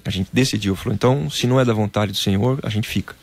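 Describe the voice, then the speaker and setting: A man from Brazil, a former footballer, telling a personal faith story in a casual interview, animated and peppered with "cara". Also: fairly low pitch, fast, creaky, faint music behind.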